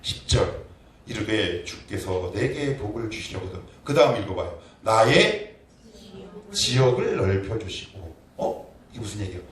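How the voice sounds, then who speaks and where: A man's voice: fairly low pitch, measured pace. A middle-aged male pastor preaching a sermon, asking the congregation questions and crying out prayers. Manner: animated, asks the congregation questions, shouts acted prayers. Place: church sanctuary. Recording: echoey church room, from far off, faint noise.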